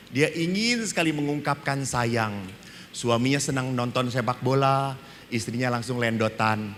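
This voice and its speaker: A man's voice: mid-range voice, a little hiss or hum. A man with an Indonesian accent, a Catholic priest giving a humorous sermon and acting out little dialogues. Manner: animated storytelling, acts out dialogue. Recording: reverberant hall, faint ambience.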